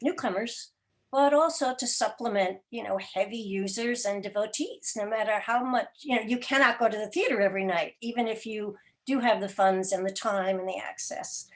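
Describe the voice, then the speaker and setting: Mature woman, medium pitch, articulate, reflective conversation, pauses mid-sentence, video call. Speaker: interview guest, theater podcast producer. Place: indoor room, video call.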